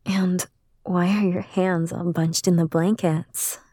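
Slow, soft-whispering woman, close to the mic. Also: fairly low pitch, level tone, no room sound. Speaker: ASMR roleplayer. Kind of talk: ASMR roleplay.

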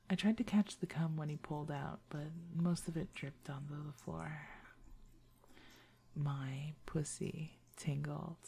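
A woman voicing a playful, devoted girlfriend, speaking in a hushed, whispery way. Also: low voice, vocal fry, slight background noise. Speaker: voice actress in an intimate audio roleplay. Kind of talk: intimate whispered roleplay.

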